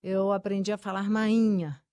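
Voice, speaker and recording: A woman from Uruguay whose first language is Spanish, a guest in an interview, speaking with many pauses and fillers. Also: medium pitch, level tone, mellow, smooth, no room sound, studio quality. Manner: slow, hesitant, many fillers like "né" and "eh". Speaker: guest author and psychoanalyst. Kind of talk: conversational interview.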